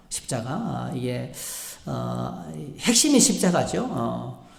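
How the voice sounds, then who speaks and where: Gravelly male pastor preaching. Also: on the high side. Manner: animated storytelling with frequent fillers. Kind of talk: sermon. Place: church sanctuary. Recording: echoey church sanctuary.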